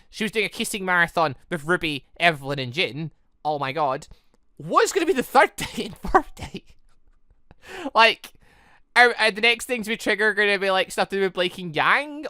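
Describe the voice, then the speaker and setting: Lively, bright-voiced man. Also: high voice, no echo, studio quality. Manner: rambling, repeats and rephrases himself. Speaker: gaming channel host. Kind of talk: casual let's-play commentary.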